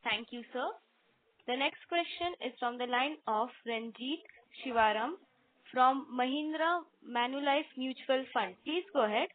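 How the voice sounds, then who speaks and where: A high-pitched woman announces callers formally. Her voice comes over a tinny phone line, set back from the mic. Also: a little slow. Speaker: conference call operator. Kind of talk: scripted call moderation.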